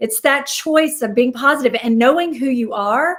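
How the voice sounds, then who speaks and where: Speaking at a moderate pace, a woman with a Southern US accent has a high pitch and ordinary pitch variation. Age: 60s. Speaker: motivational speaker. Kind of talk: interview.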